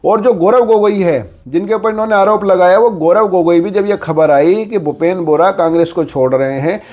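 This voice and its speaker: A man's voice: high-pitched, moderate pace, a little mellow, highs cut off. A man giving informal political news commentary, explaining conversationally with repeated filler phrases.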